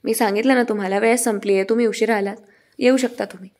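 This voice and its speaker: A strict young male boss scolds curtly and refuses to bend the rules, read out by a woman. The voice stays a little high and plain, with no deepening. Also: fairly even intonation, fast talker, a little mellow, natural voice. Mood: stern. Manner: curt, scolding.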